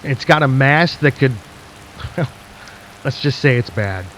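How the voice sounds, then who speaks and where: A man playing an anxious, ominous radio host in a radio drama, addressing listeners haltingly as the world ends. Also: medium pitch, animated, a bit bright, slight background noise. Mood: alarmed, urgent. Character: anxious late-night radio host broadcasting through an apocalypse.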